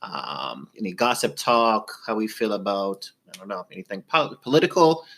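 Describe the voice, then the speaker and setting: A man in his thirties co-hosting a casual podcast, telling stories in a playful, drawn-out way with frequent ums. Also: fairly low pitch, huge pitch swings, fairly bright tone. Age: 30s. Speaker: podcast co-host. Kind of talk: casual chat.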